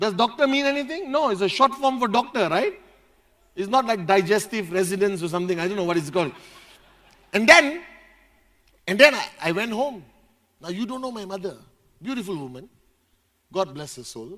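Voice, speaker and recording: In a raised, projected voice, a man talks at a fairly quick pace with long, frequent pauses, his high, bright, sharp tone animated, with very wide pitch swings and big swings in loudness. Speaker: motivational speaker. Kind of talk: motivational talk. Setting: stage with audience.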